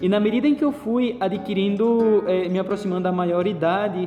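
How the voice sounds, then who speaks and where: A man speaks at a fairly quick pace in a high voice, with noticeable background noise behind him. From Brazil, interior of Bahia. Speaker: seminarian and missionary. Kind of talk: testimony. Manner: halting, many fillers.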